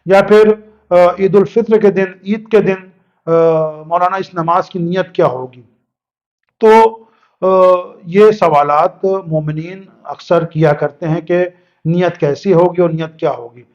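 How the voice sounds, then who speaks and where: A man's voice: sits high, a little mellow, lo-fi sound. A male cleric giving a religious lesson, explaining step by step, mixing English words in and repeating points for emphasis. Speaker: Islamic cleric teaching religious rulings.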